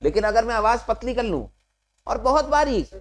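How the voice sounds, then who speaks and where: A man's voice: very high-pitched, very animated, normal speed, noisy background. A man teaching physics to a class, explaining step by step and often stopping to ask the students questions. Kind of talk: classroom lecture.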